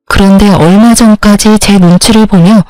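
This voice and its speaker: A woman narrating a family drama in the first person, in a calm, confessional storytelling manner. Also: mid-range voice, normal speed, no room sound, poor audio. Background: faint music.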